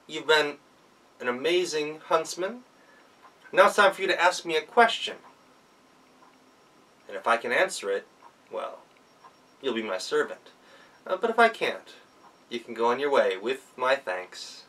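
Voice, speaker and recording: Folktale devil, played by a man: impatient, hot-tempered, insistent barked commands, forceful raised voice. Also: a little high, big pitch swings, measured pace, long pauses, far from the mic, heavily acted, poor audio. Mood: businesslike.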